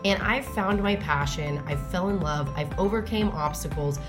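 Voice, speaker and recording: A woman's voice: fairly low pitch, moderate pace, over music. An American woman hosting a podcast interview, upbeat and chatty as she introduces the show and asks questions. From United States. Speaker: podcast host.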